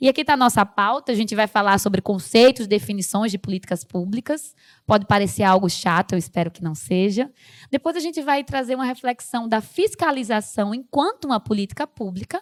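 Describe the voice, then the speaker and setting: A woman's fairly high voice with lively intonation at a fairly quick pace, dry and close with no echo. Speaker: university professor. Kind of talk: lecture. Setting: stage with audience. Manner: fast.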